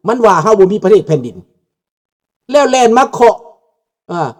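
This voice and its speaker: A man's voice: high-pitched, expressive, normal speed. An older man giving a fiery political talk, mixing Thai and Lao and often asking the audience questions. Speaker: political commentator. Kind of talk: impassioned political monologue. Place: abroad, outside Laos.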